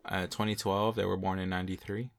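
Deep gravelly young man, laid-back. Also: little pitch movement, quick pace. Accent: Mexican. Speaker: podcast co-host. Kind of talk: casual chat.

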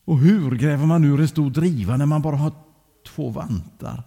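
A man telling a children's story aloud in a lively way, speaking directly to young listeners. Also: on the high side, vocal fry, husky, long reverb tail.

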